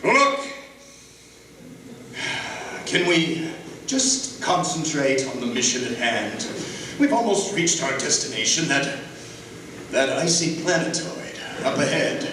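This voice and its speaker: Noble stuffy hero bot, high swoopy voice, formal speeches, echoey hall recording. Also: male voice, big pitch swings, bright, forceful tone, full character voice. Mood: exasperated. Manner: grandiose, formal, halting deliberation. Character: noble, pompous, earnest male knightly robot warrior. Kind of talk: live dramatic script reading, cartoon character acting. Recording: very echoey hall, distant mic, background noise.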